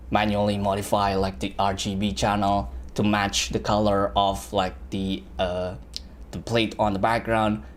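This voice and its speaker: A young man from Indonesia teaching visual effects on a livestream, talking casually with lots of fillers and self-corrections. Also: lowish voice. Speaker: VFX artist teaching a livestream. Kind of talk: live screen-share software tutorial.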